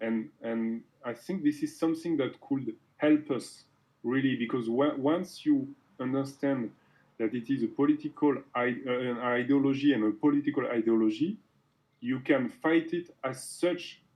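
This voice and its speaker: With a French accent, a man speaks at a moderate pace, his fairly high voice showing ordinary pitch variation. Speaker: political commentator. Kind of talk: interview conversation. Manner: halting, searching for words.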